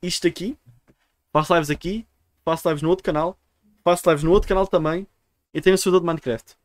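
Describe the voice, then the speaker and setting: A man's voice: fairly high pitch, fairly even intonation, quick pace, no room sound. A man from Portugal with a European Portuguese accent, hosting a casual podcast chat, joking and slangy. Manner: joking, slangy, says "mano" a lot. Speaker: podcast host.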